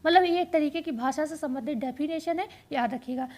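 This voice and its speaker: High-voiced woman teaching exam prep. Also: brisk, a little mellow. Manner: explains step by step, repeating key points as questions and answers.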